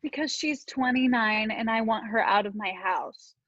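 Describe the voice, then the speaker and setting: A woman playing a blunt, exasperated mother with a deadpan, weary delivery in a sketch comedy reading. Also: on the high side, moderate pace, no room sound, dull audio. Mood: dismissive. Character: exasperated, blunt, dismissive mom of two. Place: remote virtual reading.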